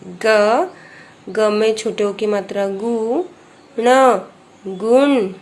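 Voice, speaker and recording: A woman teaching a slow phonics lesson to young children, patiently spelling out each letter and vowel sign one at a time. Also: mid-range voice, a little mellow. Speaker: primary school teacher.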